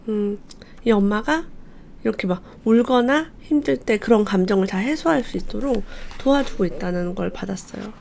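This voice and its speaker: A woman hosting a book channel, reading passages from a parenting book aloud and commenting on them, telling the anecdotes in a lively way. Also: a little high, creaky, a little hiss or hum. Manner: lively storyteller who acts out quoted lines.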